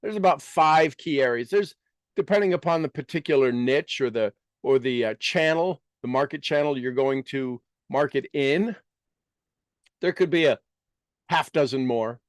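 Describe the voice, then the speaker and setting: A man speaking as a business coach in a motivational talk, asking rhetorical questions and repeating phrases emphatically with deliberate pauses. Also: mid-range voice, no room sound, clean studio sound.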